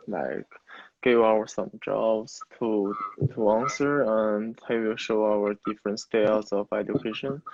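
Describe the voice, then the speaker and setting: Halting young Chinese man, muffled audio. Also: lowish voice, creaky, a little mellow, slight background noise. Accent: Mandarin Chinese. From China. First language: Mandarin. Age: young adult. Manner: halting, non-native phrasing. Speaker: university student interviewee. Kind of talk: informal interview answers.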